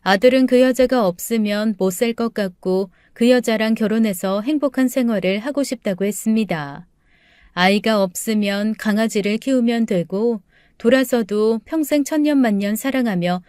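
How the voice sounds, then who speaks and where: A woman narrating a first-person story in a calm, steady reading voice. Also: a little high, normal speed, clear, resonant tone, dry recording, clean studio sound.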